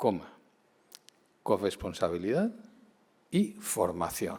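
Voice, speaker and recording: A man speaks at a very slow pace with a Valencian accent. His pitch sits fairly low. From Valencia region, Spain. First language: Valencian (speaking Spanish). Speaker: law professor and supreme court judge. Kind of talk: conference talk. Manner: conversational, with frequent fillers.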